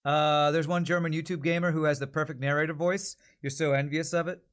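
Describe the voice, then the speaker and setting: A man with a fairly high voice hosts a livestream in a casual, conversational style. He rambles and thinks out loud, working his way through each thought as he talks. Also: flat delivery, brisk, a little hiss or hum. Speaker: livestream host.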